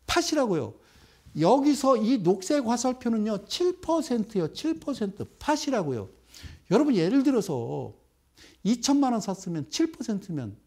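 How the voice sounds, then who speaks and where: Excitable middle-aged guy doing a stock trading lecture, voice swoops all over the place, keeps teasing the viewers. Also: high voice. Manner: animated, banters with viewers and asks rhetorical questions.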